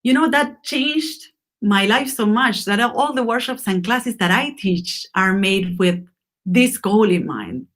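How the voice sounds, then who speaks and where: A woman's voice: mid-range voice, animated, slow. A woman from Argentina teaching a lettering class, speaking off the cuff with many ums and restarts. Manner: unscripted, many fillers and restarts. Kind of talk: class lecture.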